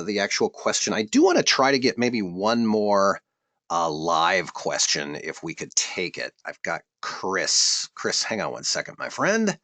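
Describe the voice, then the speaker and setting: Lively bright-voiced man hosting a webinar. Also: sits low, creaky, no echo. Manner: friendly, upbeat, quick. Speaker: webinar host and voiceover coach. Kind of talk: live webinar Q&A.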